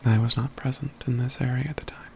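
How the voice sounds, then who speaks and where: A man playing an aloof, proud mage companion in a soft, intimate ASMR roleplay, with formal, measured phrasing and dry teasing. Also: medium pitch, little pitch movement, vocal fry, slight background noise, natural voice. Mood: grave, explanatory. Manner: formal, measured, haughty phrasing with hushed stretches.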